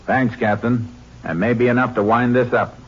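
An American actor playing a tough, terse Texas Ranger in a 1950s western radio drama. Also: male voice, mid-range voice, steady tone, normal speed, dull audio, music in the background, natural voice. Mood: businesslike. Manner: terse, dry, commanding. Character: tough, cool Texas Ranger lawman hero. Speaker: lead actor and narrator. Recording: noisy, band-limited old radio recording.

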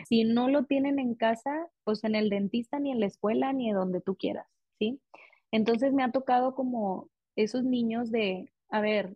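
A woman in her thirties with a Mexican accent, speaking as a pediatric dentist in a relaxed interview. She chats freely and slips into the voices of parents and kids. The sound is dry and a bit dull. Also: on the high side, breathy edge, no echo. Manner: chatty, animated, acts out parents and children. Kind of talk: casual interview.

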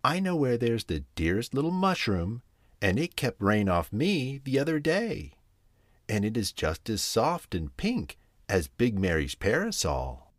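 A man voicing a tiny, gentle white butterfly with a soft voice. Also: medium pitch, very animated, measured pace, no echo.

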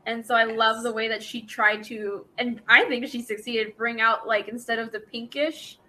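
Woman, podcast guest, bright crisp voice, slightly high, gushing and chatty. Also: fairly even intonation. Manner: gushing, chatty, quick laughs. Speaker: guest cosplayer. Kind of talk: casual podcast chat.

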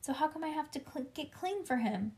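Storybook little girl, performed by a woman: stubborn, whiny, excitable, indignant, with childish grammar. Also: sits high, brisk, voice pushed up.

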